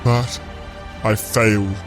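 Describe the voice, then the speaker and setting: A man playing a vengeful clone villain in an audio roleplay, telling his story in a deliberate, gloating, theatrical way. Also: on the low side, steady tone. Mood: bitter. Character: vengeful male clone villain plotting to destroy a reality. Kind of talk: scripted audio roleplay monologue. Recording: music behind the voice.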